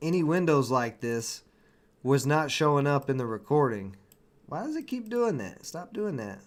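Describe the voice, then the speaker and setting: The recording is very clean with a silent background. A man with a Southern US accent speaks at a moderate pace, his fairly high pitch swinging very widely. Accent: Southern US accent, still present. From US South, Tennessee. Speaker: day trader streamer. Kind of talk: live stream commentary. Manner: pauses mid-sentence.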